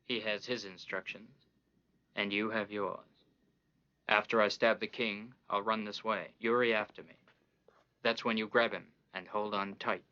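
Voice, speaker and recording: An actor voicing a cunning, treacherous priest in an animated Bible drama, condescending and commanding. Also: male voice, lowish voice, unhurried. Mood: scheming. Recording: dull lo-fi sound.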